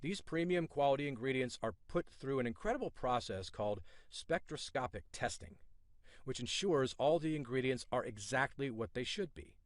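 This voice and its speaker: A man reading a scripted sales pitch in a smooth, reassuring salesman manner, from the United States. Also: lively intonation, moderate pace, no room sound, studio quality. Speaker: ad presenter.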